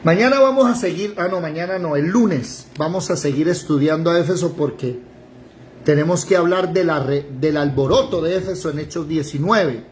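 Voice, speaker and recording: Man, middle-aged, high voice, lively Bible class, faint room noise. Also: moderate pace. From Colombia. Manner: animated, rhetorical questions, mock dialogues. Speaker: Bible teacher.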